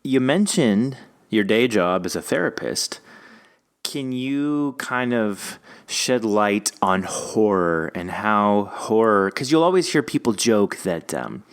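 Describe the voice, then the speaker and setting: Man, slightly deep voice, podcast host, casual conversational style, rambling questions. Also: expressive, takes it slowly, smooth. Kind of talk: casual interview chat.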